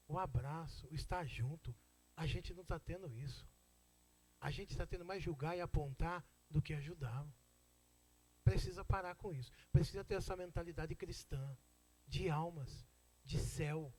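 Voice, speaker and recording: A man preaching a sermon as pastor, swinging between loud, driving lines and hushed, quiet ones. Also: fairly high pitch, slightly rough.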